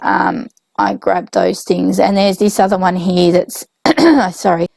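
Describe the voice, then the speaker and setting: A woman talks through her craft project in a loose, rambling way, stopping to correct herself and filling gaps with ums. Her voice is hoarse and gravelly from being sick. The sound is close and dry. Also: lowish voice, very animated, slow, a little mellow, no room sound. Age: adult with a young child. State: hoarse, voice coming and going from illness. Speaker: scrapbooking crafter narrating her process. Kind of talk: casual voice-over narration of a craft video.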